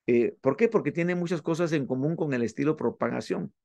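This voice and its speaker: A man teaching a class, working through his points methodically and listing items one at a time with pauses. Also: on the high side, creaky, a little mellow, no room sound. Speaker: instructor. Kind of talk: classroom lecture on church planting.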